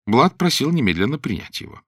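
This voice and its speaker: A man reading a story aloud as narrator in a steady, expressive manner. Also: mid-range voice, a little fast, dry recording, clean studio sound. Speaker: audiobook narrator. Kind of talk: scripted narration.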